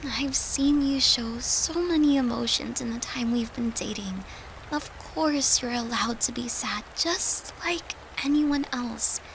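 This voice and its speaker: A woman plays a worried young girlfriend speaking tenderly to her partner in an intimate audio roleplay. Her female voice is high and creaky, with a soft, hesitant, coaxing manner. Clear background noise like rain sits behind her.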